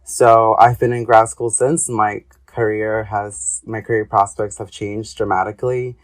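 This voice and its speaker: A man's voice: lowish voice, level tone, measured pace. A young adult man from Ecuador, an interview guest talking casually with hesitant, rambling speech and many fillers. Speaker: guest, artist and graduate student.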